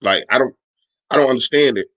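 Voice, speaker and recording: A man in casual sports podcast talk, speaking in a medium-pitched voice. He argues his points with emphatic, slangy conviction. He keeps answering his live chat as he talks. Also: fast talker, a bit bright, lo-fi sound.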